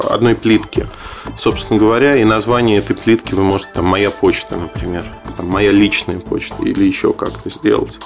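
A man's voice: fairly low pitch, gravelly. A man giving an informal spoken tech review in a matter-of-fact, skeptical, explanatory manner. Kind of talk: informal spoken product review, loosely scripted.

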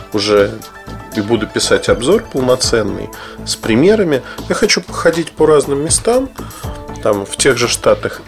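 A man hosting a tech podcast, giving a casual, rambling gadget review full of hesitations and asides. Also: medium pitch.

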